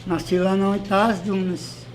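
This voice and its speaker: A man's voice: sits high, flat delivery, a little slow, a crowd in the background, low-quality recording. A man in his sixties, a local resident earnestly recounting his father's stories in an interview. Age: 60s. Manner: earnest, insistent on truth. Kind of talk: casual interview storytelling.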